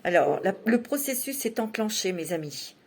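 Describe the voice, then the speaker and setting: A woman with a husky, mid-range voice gives a casual tarot reading at normal speed, her pitch swinging widely. She is chatty and laughs often, sprinkling her speech with little asides and many fillers like "hein".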